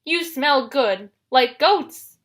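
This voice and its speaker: A woman voicing a huge, half-blind male Cyclops in a storybook, gruff and impatient, with blunt, bellowed demands. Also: sits high, expressive, very slow, voice pushed up, exaggerated voice. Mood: hungry, leering.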